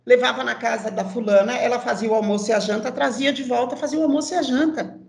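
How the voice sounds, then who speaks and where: High-voiced woman with mixed São Paulo-Bahian accent. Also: quick pace, gravelly, roomy sound. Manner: animated, laughs while telling stories. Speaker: city council candidate. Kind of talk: conversational interview.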